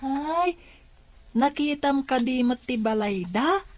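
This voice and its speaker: Woman doing curious little kid in a drama, highish voice, kinda slow. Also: animated. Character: curious young child talking to an aunt. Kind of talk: Ilocano audio drama acting.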